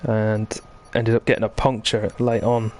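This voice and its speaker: A man's voice: lowish voice, flat delivery, measured pace, darkish tone, a little hiss or hum. A man hosting live esports racing commentary in a chatty, conversational way, bantering with his co-commentator. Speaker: sim racing commentator and host.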